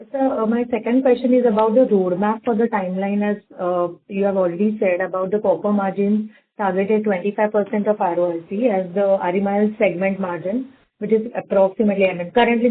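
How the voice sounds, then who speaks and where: A woman puts questions on an earnings call as an analyst. Her phrasing is long-winded and halting, at a middling pitch. The line is tinny, with a faint layer of noise. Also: steady tone. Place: conference phone call.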